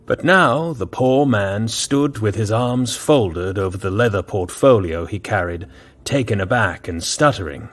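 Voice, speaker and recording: Male narrator with a low voice. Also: expressive, fairly bright tone. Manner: measured, storytelling. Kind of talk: scripted audiobook narration.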